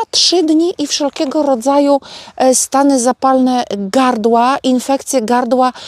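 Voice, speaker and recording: Over a quiet background, a woman speaks very slowly in a high pitch with ordinary pitch variation. The sound is dry, with no echo. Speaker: home herbal remedy vlogger. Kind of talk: tutorial. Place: garden. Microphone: lapel.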